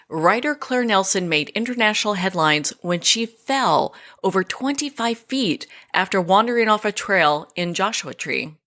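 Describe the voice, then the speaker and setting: A woman's voice: mid-range voice, a bit bright. A woman hosting a talk show, introducing and interviewing her guest. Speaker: host.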